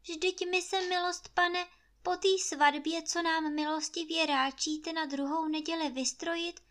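A woman's voice: very high-pitched, steady tone, fairly bright tone, voice pushed up. A woman voicing a meek but cunning young peasant housemaid who pleads humbly and sweetly in a storybook reading. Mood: wheedling. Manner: humble, wheedling, sugary pleading.

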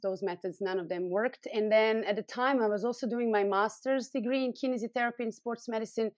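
A woman's voice: fairly high pitch, fairly even intonation, fairly quick, no echo. A woman from Serbia with a Serbian accent, speaking as an expert guest and explaining things in an interview. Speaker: guest expert, scoliosis clinic founder and physiotherapist.

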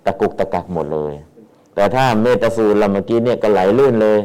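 A man with a low, smooth and clear voice teaches the chanting of Pali scripture. He talks his students through the rhythm, repeating short phrases again and again, and breaks into chanted verse to show them how it goes. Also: fast talker, dark tone.

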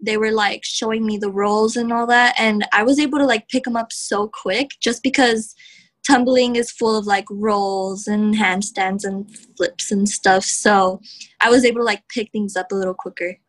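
A young woman from Texas, a professional wrestler, answering interview questions in a chatty way, full of "like" and quick laughs. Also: medium pitch, steady tone, low-quality recording. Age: young adult. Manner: chatty, heavy use of "like", laughs often.

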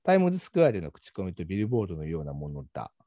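A man with a faded Kansai accent co-hosts a casual podcast, easygoing and quick to laugh. He talks fast with big pitch swings in a mellow, fairly low voice. The sound is dry. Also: wildly swooping pitch, dry recording. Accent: faded Kansai Japanese. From Kansai, Japan. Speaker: marketing teacher, co-host.

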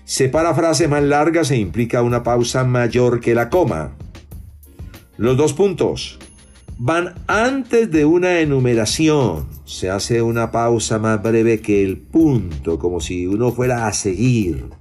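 A man's voice: mid-range voice, animated, slow pace, darkish tone, faint music behind. A man teaching voice-over reading in a podcast lesson, demonstrating intonation with his own voice.

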